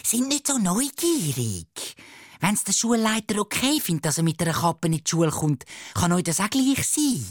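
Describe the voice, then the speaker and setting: A woman voicing a prim, nosy schoolgirl who scolds the boys in a sharp way. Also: medium pitch, sing-song, moderate pace, no echo, clean studio sound, voice pushed up. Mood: scolding.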